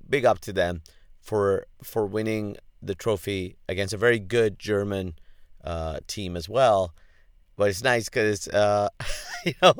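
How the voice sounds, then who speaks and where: A man's voice: fairly low pitch, no echo, studio quality. Rambling, chatty male podcast host. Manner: rambling, chatty, laughs often, self-deprecating. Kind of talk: casual solo podcast monologue.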